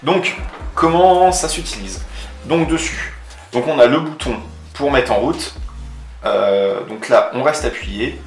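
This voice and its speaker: A man presents a product in a relaxed, colloquial vlog style. His voice sits at an average pitch and carries noticeable room echo. He explains things step by step over background music. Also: takes it slowly. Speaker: motovlogger reviewing a product. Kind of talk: casual hands-on product demonstration. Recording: roomy echo, faint music underneath.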